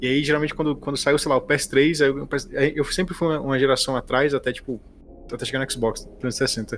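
This is a plain, everyday voice. The man's pitch sits fairly high. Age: 20s. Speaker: podcast guest, gamer. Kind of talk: casual chat.

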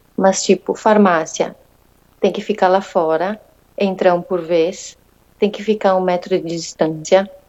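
A woman speaks at a fairly slow pace, leaving long, frequent pauses. Her intonation is monotone and flat. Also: medium pitch for a woman. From southern Brazil, Rio Grande do Sul (Bento Gonçalves). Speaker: Brazilian living abroad. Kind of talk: remote interview.

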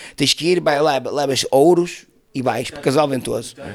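This man's voice sits fairly high in pitch. Its pitch varies in an ordinary way. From Portugal, Porto. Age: young. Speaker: entrepreneur. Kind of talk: casual chat.

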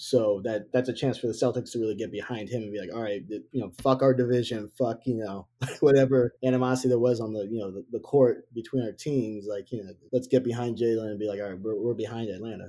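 A man with an American accent at medium pitch, very fast and with hardly any pauses, fairly even intonation and big swings in loudness. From Mount Vernon, New York. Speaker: designer and entrepreneur. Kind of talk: casual discussion.

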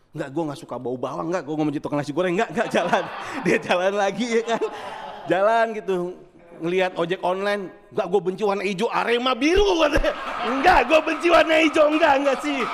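A man's animated, high voice at a very fast pace, with very wide pitch swings and noticeable background noise. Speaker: comedian. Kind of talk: stand-up comedy set. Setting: stage with audience. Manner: animated, punchy joke delivery with crowd-directed tags; casual Jakarta slang, self-deprecating, fast-paced.

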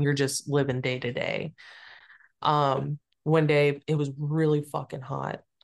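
A woman speaks with an American accent and a very deep, low pitch. Her intonation is monotone and flat over a quiet background. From Indiana, US Midwest. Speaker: podcast guest telling her life story. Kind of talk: casual chat, personal storytelling.

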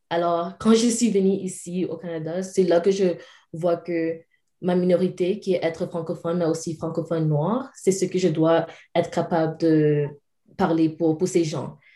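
Fairly slow and fairly even in intonation, a woman speaks at a fairly low pitch with a dark, mellow tone. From Calgary, Alberta (born in Cameroon). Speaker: university student. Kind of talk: casual chat.

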